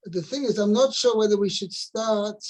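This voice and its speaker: Rabbi teaching Torah over a video call. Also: male voice, high-pitched. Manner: unhurried, searching for words, mixes in Hebrew terms.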